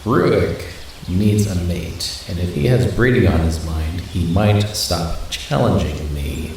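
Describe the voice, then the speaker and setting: A man voicing a calculating male wolf pack leader who muses slowly and deliberately, with a heavy echo on the voice. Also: low voice, darkish tone, pitched below the performer's own voice. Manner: slow, deliberate, pondering. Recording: heavily echoing, distant, noisy ambience.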